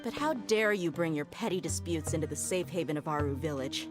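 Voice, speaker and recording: A woman's voice: low-pitched, expressive, brisk. An actress playing a brash, tough mercenary woman in an anime-style video game, blunt, sassy and confrontational. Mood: mocking, scolding. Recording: loud music behind.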